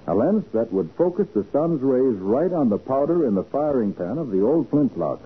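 A husky male private detective, assured and wry, who lays out facts with very lively intonation. It sounds like 1940s radio crime drama, thin and phone-like. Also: mid-range voice, moderate pace. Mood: assured explaining. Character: confident, quick-witted male private detective hero.

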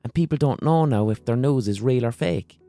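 A hoarse man with an Irish accent hosting a solo podcast, talking passionately, swearing and throwing out rhetorical questions. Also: medium pitch, moderate pace, dark tone, dry recording, faint music behind. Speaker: podcast host.

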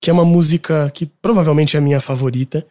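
A man's voice: on the high side, steady tone, quick pace, darkish tone. A man with a Brazilian Portuguese accent, hosting a casual podcast segment and giving chatty, opinionated music commentary.

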